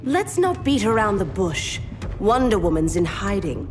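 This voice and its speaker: A woman's voice: medium pitch, very animated, noisy background. Purring cat-woman villain. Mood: taunting. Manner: slow purring taunts. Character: taunting feline female villain, predatory. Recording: music behind. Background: orchestral score.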